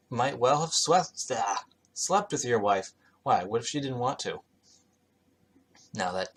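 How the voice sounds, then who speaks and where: A man with a mid-range voice reads scripture aloud as the host of his show. His delivery is sardonic and skeptical, moving between declaimed reading and muttered, offhand commentary. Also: medium pitch.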